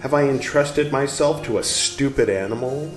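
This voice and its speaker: A man hosting a show where he reads a book aloud, musing and pausing to talk back to the text in casual asides. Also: medium pitch. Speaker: podcast host reading aloud. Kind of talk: slow reading with casual asides. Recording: roomy room with faint background music. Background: soft instrumental music.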